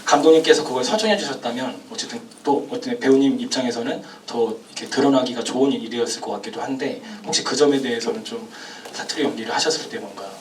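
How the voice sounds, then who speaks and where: A man's voice: mid-range voice, quick pace, few pauses, recorded from a distance. A man moderating a film Q&A, asking polite, long, winding questions. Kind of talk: hosting a post-screening talk. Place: cinema auditorium. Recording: echoey cinema, from afar, faint hum.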